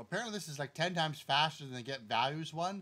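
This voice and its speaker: Loud and very fast, a man talks in a bright, sharp tone at a fairly high pitch. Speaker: game development streamer. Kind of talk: live stream coding chat. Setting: home desk with green screen, live stream.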